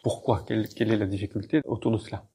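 Man asking measured interview questions. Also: lowish voice, little pitch movement, vocal fry, warm tone, slightly rough.

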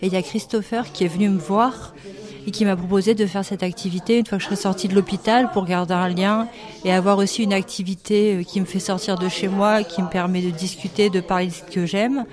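A woman calmly describing how she joined a radio workshop. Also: mid-range voice, brisk, crowd noise. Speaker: radio show participant. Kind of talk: casual interview answers.

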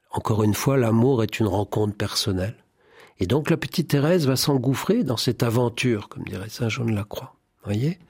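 A man's voice: medium pitch, husky, no room sound, clean studio sound. A man guest in a spiritual radio interview, speaking in a fervent, preacherly way and often quoting scripture. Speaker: priest and songwriter, interview guest.

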